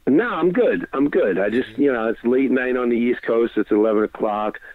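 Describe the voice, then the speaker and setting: Relaxed male caller on a tinny phone. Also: medium pitch, moderate pace, crowd noise. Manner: relaxed, mellow. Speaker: caller to a sports talk show. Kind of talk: casual phone chat. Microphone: phone call. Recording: tinny, narrow-band phone line.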